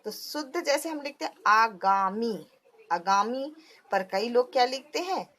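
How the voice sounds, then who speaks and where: A woman's voice: a little high, lively intonation, a little slow, a bit bright. A woman teacher explaining a textbook lesson patiently, often asking the listener questions as she goes.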